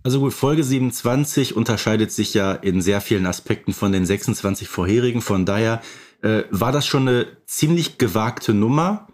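A man's voice: on the low side, expressive, moderate pace. A man co-hosting a casual podcast, telling things in a hesitant, playfully opinionated way. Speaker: podcast co-host.

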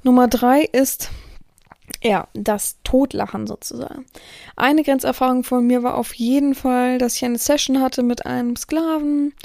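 Woman podcast host, high voice with vocal fry, dry close sound, rambling talk. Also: fairly even intonation, unhurried, warm tone, dry recording. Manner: rambling, self-correcting, acts out quoted speech. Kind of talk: casual spoken monologue. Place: indoor room with an air filter running. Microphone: close studio-style mic, audio only.

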